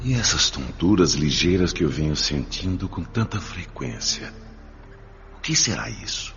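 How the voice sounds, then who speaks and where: An actor playing an ailing, anxious middle-aged head of a household in a radio drama, with a Brazilian accent. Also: male voice, sits low, expressive, a little slow, creaky, a bit bright, faint music behind, full character voice. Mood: worried, brooding. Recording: dull, reverberant, some noise.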